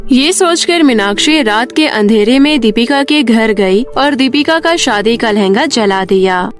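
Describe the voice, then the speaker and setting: A woman narrating a cartoon bedtime story in a steady storybook manner. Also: fairly high pitch, unhurried, soft background music.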